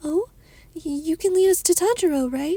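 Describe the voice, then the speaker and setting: Using a put-on character voice, a woman squeaks at an extremely high pitch, with ordinary pitch variation and a moderate pace. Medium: read story. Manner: warm, doting.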